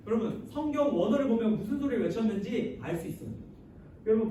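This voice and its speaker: Man, very high pitch, youth sermon, talks straight to the listeners, leads scripture reading, heavy hall echo, distant mic. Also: a little mellow. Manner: addresses the listeners often and asks them questions. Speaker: youth pastor. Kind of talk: sermon to high school students. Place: large church hall. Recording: very echoey hall, voice heard from afar, faint noise.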